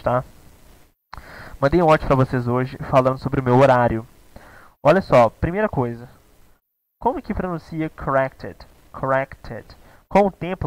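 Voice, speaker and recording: A man's voice: medium pitch, darkish tone, poor audio. A young man with a Brazilian Portuguese accent, teaching a live online English class in a casual, chatty way, often checking in with his students.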